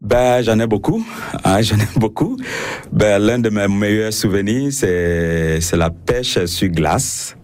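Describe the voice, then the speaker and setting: A French-speaking priest with a very deep voice talks slowly and haltingly, restarting his sentences often. His is a radio interview answer, thoughtful and unhurried. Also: expressive, a little mellow, dry recording. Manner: hesitant, many fillers and restarts.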